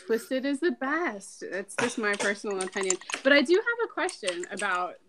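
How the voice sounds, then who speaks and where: A woman's voice: a little high, sing-song, moderate pace, noisy background. A woman hosting a podcast in casual chat, with an effusive, informal way of talking. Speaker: podcast host.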